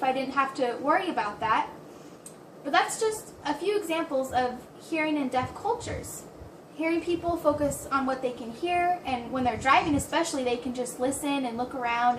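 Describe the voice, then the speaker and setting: A woman with a high voice gives an informal spoken interpretation of a presentation. She rephrases as she goes, slightly halting. She sounds set back from the microphone in an echoey room, with faint noise underneath. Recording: roomy echo, distant mic, background hiss.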